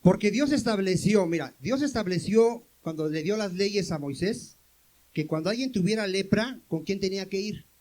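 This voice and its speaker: Male pastor, high voice, questions-and-answers sermon style with calls for amens. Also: lively intonation, moderate pace, a little mellow, low-quality recording. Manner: questions the congregation and answers himself.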